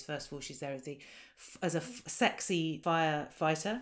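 This is an unremarkable speaking voice. It moves at a fairly quick pace with ordinary pitch variation. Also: woman. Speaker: podcast host. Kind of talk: casual chat.

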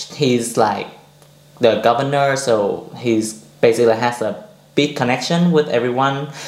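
A man with a Vietnamese accent speaks at medium pitch. The room echo is audible and background noise is noticeable. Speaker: pole dancer and instructor. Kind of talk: casual interview.

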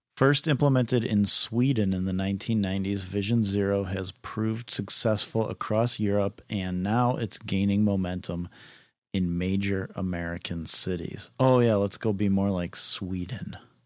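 In a very clean recording with a silent background, a man with a plain, everyday voice speaks at a fairly slow pace with a fairly low pitch and fairly even intonation. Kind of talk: casual banter, commentary.

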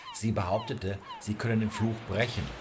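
A man speaks in a fairly low, calm, soothing voice. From Paphos, Cyprus (currently based). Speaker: spiritual podcast host and soul coach. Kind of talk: fairy tale narration, scripted storytelling read aloud. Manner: calm, measured storyteller pace with a soothing, dreamy, mystical tone.

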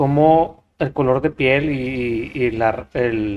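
A man's voice with ordinary pitch variation. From Laredo, Texas border. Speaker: podcast host. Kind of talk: casual chat, bilingual Spanish-English. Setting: studio. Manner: casual, slangy, fillers.

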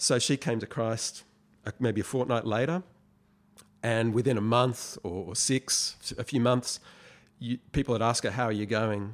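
With an Australian accent, a man speaks at a fairly slow pace, leaving long, frequent pauses, his pitch varying in an ordinary way. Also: medium pitch for a man. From Australia, Sydney. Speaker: campus ministry staff worker. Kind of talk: casual interview chat.

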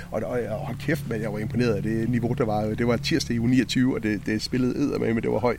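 Noticeable background noise sits behind a man talking at a fairly quick pace with hardly any pauses. His pitch is medium, with ordinary variation. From northern Jutland, Denmark. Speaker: chef. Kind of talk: casual interview. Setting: outdoors in a back garden.

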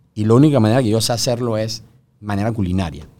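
The man's voice has a dark, mellow tone. He rushes along at a very fast pace. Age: 40s. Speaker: chef and restaurateur. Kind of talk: casual chat.

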